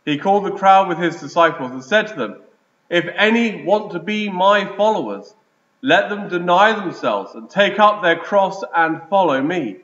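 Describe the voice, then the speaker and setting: A man, a priest, reading the gospel and preaching in a measured liturgical way, his voice ringing with the echo of a large church. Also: high-pitched, animated, a bit bright. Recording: echoey church, dull lo-fi sound.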